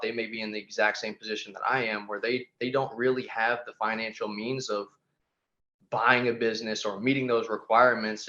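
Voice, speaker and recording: A man's voice: medium pitch, a bit bright, highs cut off. A man in his twenties, a podcast guest, talking casually and earnestly with lots of filler words. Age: 20s. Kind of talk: podcast interview.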